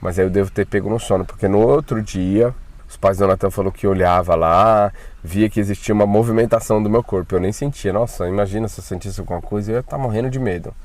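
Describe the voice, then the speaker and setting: A man casually recounting his own frightening experience, talking in a colloquial, animated way with slang and swearing. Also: on the low side, fast. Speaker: channel host telling his own spiritual experiences. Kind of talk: casual first-person storytelling.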